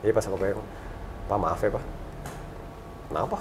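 A man in his thirties, a talk show guest, telling a personal story in a relaxed, reflective way and going soft and low on sad memories. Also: a little fast, noisy background. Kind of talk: casual conversational storytelling.

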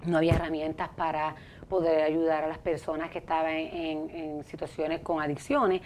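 Puerto Rican woman, low voice. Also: level tone, moderate pace, a little mellow, slight background noise. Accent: Puerto Rican Spanish. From Puerto Rico. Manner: hesitant, many fillers and restarts. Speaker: life coach guest. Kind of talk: TV interview. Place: TV studio. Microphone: lapel mic.

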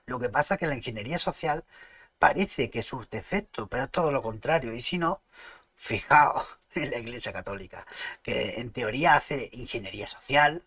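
A man's voice: medium pitch, a bit bright, no echo. A man with an Andalusian Spanish accent, streaming and chatting casually, arguing his points emphatically and restarting words mid-flow. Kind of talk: casual live-stream chat.

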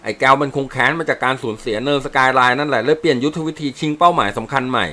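A man's voice: mid-range voice, very fast, sharp tone, natural voice. A man voicing a blunt male sergeant briefing his squad in plain, coarse words. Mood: explaining. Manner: blunt, matter-of-fact, coarse. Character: gruff male sergeant, blunt team leader.

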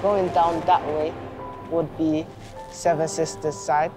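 A young man with a fairly high voice talks casually and fast while showing the area around him outdoors. Music runs clearly underneath. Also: flat delivery. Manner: quick, casual pointing-out of places. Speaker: student sailor. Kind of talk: documentary interview.

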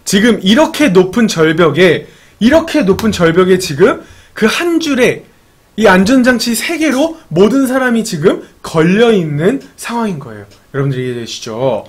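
A man's voice: high voice, sing-song, moderate pace, husky. A man teaching English in a casual live-streamed lesson, explaining a film scene, repeating lines and asking his audience questions. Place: home streaming setup.

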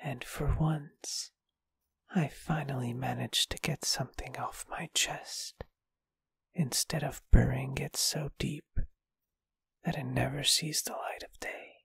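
A performer voicing a shy, gentle, lovestruck ghost in an ASMR roleplay, in a breathy, soft, hesitant and tender whisper. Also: medium pitch, steady tone, takes it slowly, dry recording. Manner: bashful, tender, hesitant, intimate. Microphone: close microphone, dry.

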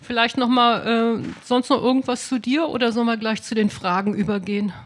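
A woman's voice: on the high side, steady tone, fairly quick. A middle-aged woman hosting a live radio interview in a chatty, informal way. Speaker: radio show host. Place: small club stage. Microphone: handheld microphone.

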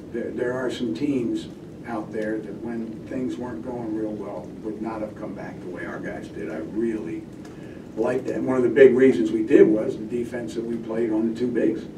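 An older man coaches his way through a post-game press conference, rambling and trailing into mutters. His voice sits at an ordinary pitch. The table mic catches him from a distance in an echoey, noisy room. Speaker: head coach. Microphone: table microphone.

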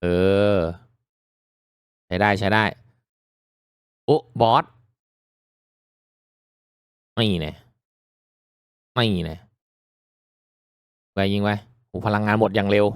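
A man giving casual, reactive commentary as he hosts a mobile game playthrough, chatting politely to viewers with excitable exclamations. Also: on the low side, slow, long pauses, no room sound, studio quality. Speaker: gaming video host.

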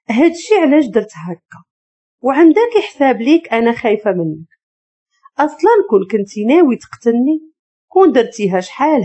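A woman with a Moroccan accent voicing a frightened but defiant young wife, pleading and indignant, her voice raised high. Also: warm tone, breathy edge. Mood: fearful.

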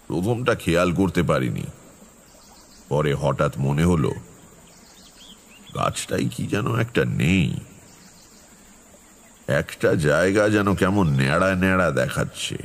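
Very deep, slow brooding storyteller. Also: male voice, lively intonation, creaky, exaggerated voice. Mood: brooding, reflective. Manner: measured, reflective. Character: Taranath, brooding tantrik storyteller recalling eerie past. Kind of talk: dramatic first-person horror narration.

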